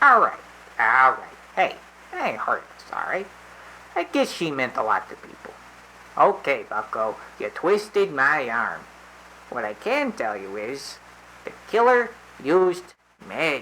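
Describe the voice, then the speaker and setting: A female-sounding voice performs a put-on character at a middle pitch, with very wide pitch swings. The pace is moderate, broken by long, frequent pauses. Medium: audio drama. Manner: brash, salesy.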